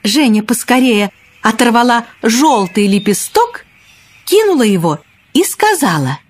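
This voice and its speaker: Husky, lively woman storyteller. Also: fairly high pitch, unhurried. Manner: expressive storytelling. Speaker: narrator. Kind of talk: scripted fairy tale narration for children.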